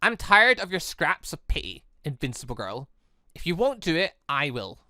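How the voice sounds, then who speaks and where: A gaming creator acts out a warrior woman's bitter hidden side from a visual novel. She taunts and accuses in a bright, swinging voice, recorded close and dry. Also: mid-range voice, very animated, normal speed, dry recording. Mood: defiant. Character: bitter, mocking alter ego of a young warrior woman.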